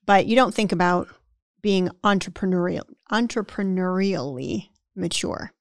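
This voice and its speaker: A woman's voice: lowish voice, a little slow, no echo, clean studio sound. A woman co-hosting a podcast in casual conversation, chatty, often tagging sentences with "right?" and acting out the self-talk of the people she describes. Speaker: podcast co-host.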